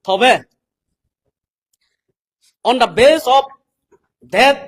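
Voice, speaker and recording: Male political speaker, South Asian accent, notably high-pitched, delivering a deliberate, explanatory public address. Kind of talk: public address, reading English passages and explaining them.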